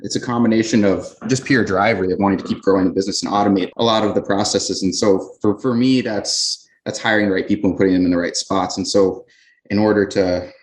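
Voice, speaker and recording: A man with a North Dakota accent answering questions as an interview guest, casual and a little halting in his phrasing. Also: fairly low pitch, fairly even intonation. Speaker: interview guest, business owner. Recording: roomy, echoey sound.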